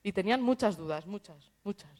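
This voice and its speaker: A woman's voice: medium pitch, lively intonation, brisk, crowd noise. A woman speaking in a casual panel conversation as a social media manager. She is chatty, tells anecdotes and acts out the voices she quotes. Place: festival stage talk.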